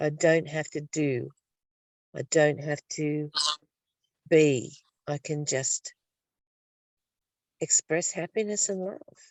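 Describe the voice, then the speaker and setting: A woman with an Australian accent speaks at a very slow pace, her pitch very deep and low. Her intonation stays fairly even, broken by long, frequent pauses. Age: 60s. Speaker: spiritual study group leader. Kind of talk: casual spiritual discussion. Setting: phone call from inside a van.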